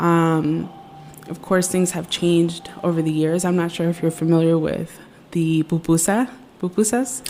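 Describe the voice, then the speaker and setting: Against noticeable background noise, a woman with an American accent speaks at a moderate pace, her fairly low pitch showing ordinary variation. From northern Virginia, US (Salvadoran family). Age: 30s. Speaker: vegan chef. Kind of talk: interview. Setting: studio.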